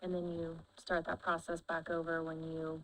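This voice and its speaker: Flat, low woman explaining procedure. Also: moderate pace, poor audio. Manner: patient, explanatory.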